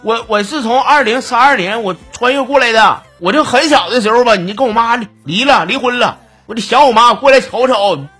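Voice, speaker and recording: A man's voice: extremely high pitch, fairly quick, hardly any pauses, bright, forceful tone, faint music behind, pitched above the performer's own voice. A man voicing a frantic young man who pleads urgently, claiming to be a time-traveling son. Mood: frantic pleading.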